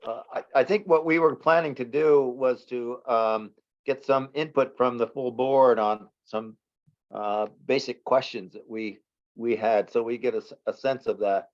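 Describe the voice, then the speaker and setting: A man speaking in an online board meeting, halting, with many uhs and repeated words. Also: medium pitch, steady tone, dull audio. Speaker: board member. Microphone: video call.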